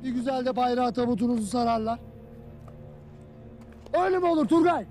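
A furious army commander, played by a man in an amateur film-scene reenactment, lays into his soldiers with bitter, cutting lectures. He barks his orders with harsh force. His voice sits very high. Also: animated, a little fast, soft background music. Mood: grim, sarcastic. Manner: harsh, bitter lecturing that swings into barked shouting.

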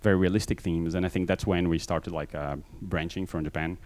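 A middle-aged man from Brazil with a mixed Brazilian accent gives a casual conference talk on a stage with a handheld mic, quick and full of fillers. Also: low voice, steady tone, a little mellow. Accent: Brazilian Portuguese mixed. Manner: fast, filler-heavy, self-deprecating. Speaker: conference speaker. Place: large conference hall stage.

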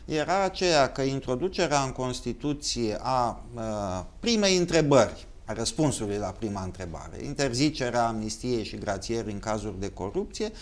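A man's voice: mid-range voice, animated, few pauses. A man with a Romanian accent hosting a formal political interview, asking polite, probing questions and playing devil's advocate. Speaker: talk show host.

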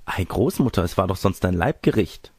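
A man's voice: low-pitched, lively intonation, normal speed, a little mellow, husky, dry recording, clean studio sound. A man voicing a naive, inquisitive young girl in a storybook tale, full of wondering questions and exclamations. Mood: astonished. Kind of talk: storybook character reading.

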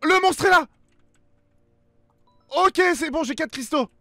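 High-pitched, animated man playing a game. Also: takes it slowly, creaky, no echo, soft background music. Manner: exclamatory, reactive, talks to himself. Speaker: gaming video host. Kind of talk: excited let's play commentary.

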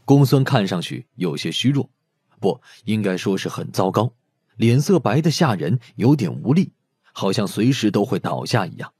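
Animated male audiobook narrator. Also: fairly low pitch, moderate pace, slightly rough, dry recording. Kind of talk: expressive scripted story narration. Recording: music behind the voice.

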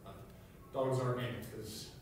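A middle-aged man, a basketball coach, answering questions after a game, halting with many fillers and restarts. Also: medium pitch, steady tone. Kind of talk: post-game press conference. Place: small room with a table and a banner. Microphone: far camera. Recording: echoey room from far off, background hiss.

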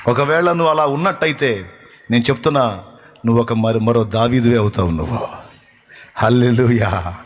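A man's voice: medium pitch, fairly quick, a little hiss or hum. A male pastor preaching a sermon, driving points home with rising, repeated phrases. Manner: preaching with rising emphatic repetition. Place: church service.

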